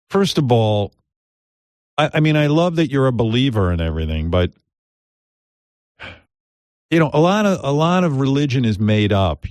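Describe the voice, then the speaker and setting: A man's voice: mid-range voice, a little mellow, no room sound, studio quality. A man hosting a talk radio show, speaking bluntly and profanely in a mocking, needling way. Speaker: radio host.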